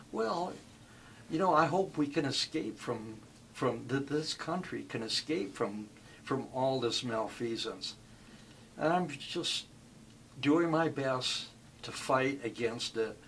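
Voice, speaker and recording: Speaking very slowly with long, frequent pauses, a man with an American accent uses a medium pitch and lively intonation. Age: 70s. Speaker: retired aerospace engineer. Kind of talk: interview. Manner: halting.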